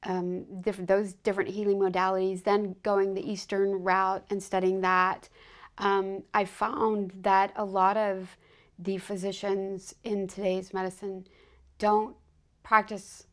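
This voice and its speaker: A woman's voice: medium pitch, little pitch movement, a little slow. A woman hosting an interview, speaking earnestly and agreeing with emphasis. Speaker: host. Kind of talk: conversational interview.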